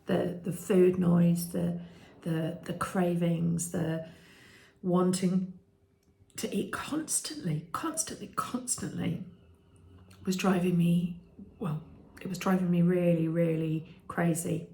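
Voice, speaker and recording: Croaky, gravelly British woman in her fifties. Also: fairly low pitch, fairly even intonation, takes it slowly, warm tone. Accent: British English. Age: 50s. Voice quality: croaky at times. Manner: hesitant, many ums and restarts. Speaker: vlogger. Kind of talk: candid personal vlog. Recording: echoey room.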